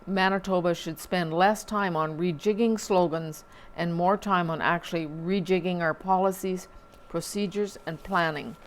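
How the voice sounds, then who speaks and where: A woman's voice: on the low side, a little hiss or hum. Woman reading the local paper aloud. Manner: measured reading with small slips and asides. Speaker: newspaper reader on local TV. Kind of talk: reading newspaper items aloud.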